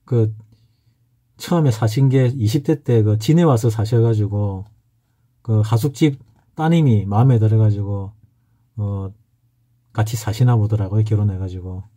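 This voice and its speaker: A middle-aged man from the Gyeongsang region teaches in a casual, anecdotal way, with a strong regional accent. He often pauses and restarts as he wanders through stories. His voice is dark and mellow, with a husky edge. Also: on the low side. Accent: Gyeongsang Korean. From Gyeongsang region, South Korea. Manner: rambling, anecdotal, frequent hesitations. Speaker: saju fortune-telling instructor. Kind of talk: casual lecture.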